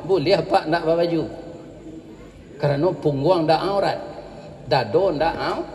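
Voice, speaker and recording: A man with a Minangkabau accent preaching to a congregation, telling stories and jokes in a lively way and often turning to the crowd with questions. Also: on the high side, measured pace. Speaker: Islamic preacher. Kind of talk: sermon with storytelling and jokes. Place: large hall with a congregation. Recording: echoey hall with long reverb.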